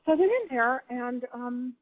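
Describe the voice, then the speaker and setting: Animated woman storyteller on a phone line. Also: fairly high pitch, normal speed, no echo. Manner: animated storyteller, laughs often. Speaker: guest telling encounter stories. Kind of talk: casual radio chat. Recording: dry phone-line call audio.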